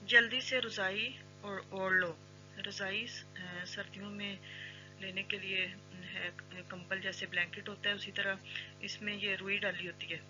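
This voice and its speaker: An English teacher who drills everyday phrases, repeating each one and saying the English lines very slowly and clearly. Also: medium pitch, fairly even intonation, pushed and bright. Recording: slightly dull sound with faint background music.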